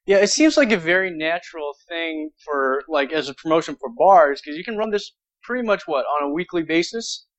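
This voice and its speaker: Male podcast host, slightly high voice, casual talk, somewhat lo-fi sound. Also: animated, a little fast, hardly any pauses. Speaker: podcast host, indie game developer.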